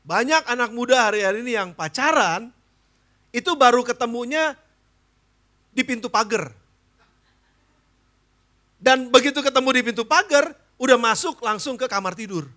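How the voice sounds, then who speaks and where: A pastor from Indonesia in his fifties delivers a sermon, talking straight to the people in the pews and checking that they follow him. His voice sits unusually high for a man and rings bright. He mixes formal preaching with casual asides. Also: lively intonation, moderate pace, long pauses. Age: 50s. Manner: addresses congregation as "Saudara", asks questions, mixes casual slang. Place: church.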